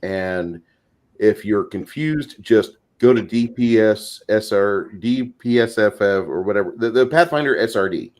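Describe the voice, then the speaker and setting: A man's voice: lowish voice, animated, a little slow, darkish tone. A man casually explaining ideas as host of a tabletop gaming discussion, in a rambling, recommending way.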